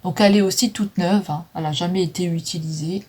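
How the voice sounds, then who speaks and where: A woman's voice: lowish voice, steady tone, quick pace, a little mellow, husky. A woman chatting casually through a makeup declutter, with frequent fillers, stumbling over English names. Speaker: vlogger selling makeup. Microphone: phone.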